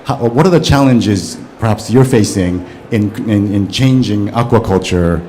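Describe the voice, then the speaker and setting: A man from Japan asking a question from the audience, halting with many restarts. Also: on the low side, dark tone, a little hiss or hum. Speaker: audience member. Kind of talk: question from the floor.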